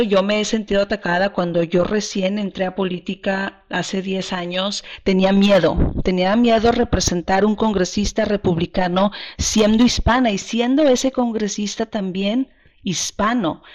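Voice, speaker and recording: A woman from Texas, answering interview questions in an earnest, emphatic way and repeating words as she restarts. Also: mid-range voice. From Texas, USA. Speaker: guest, party regional director. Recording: slightly muffled audio.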